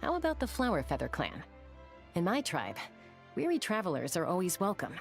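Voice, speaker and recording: A woman voicing a calm tribal woman in a video game cutscene who speaks in a reassuring way. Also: lowish voice, fairly quick, vocal fry, soft background music, full character voice.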